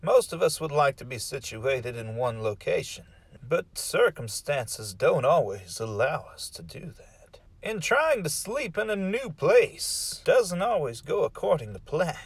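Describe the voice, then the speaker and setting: A theatrical man hosts comic horror with campy flair. His voice is creaky and rough, unhurried, and captured dry. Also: fairly high pitch, big pitch swings, no room sound. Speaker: podcast host. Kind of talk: theatrical horror-comedy hosting.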